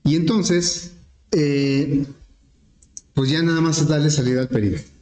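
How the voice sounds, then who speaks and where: A male teacher explaining an algorithm step by step in a relaxed lesson, with frequent fillers. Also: on the high side, a little slow. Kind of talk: programming lesson. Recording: echoey classroom with faint noise.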